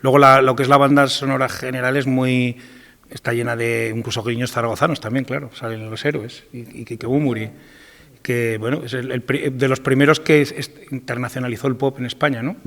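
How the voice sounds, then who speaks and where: A man's voice: mid-range voice, steady tone, brisk, a bit bright, big-room sound. A man from Spain's Aragon region, a composer answering an audience question with many hesitations and restarts.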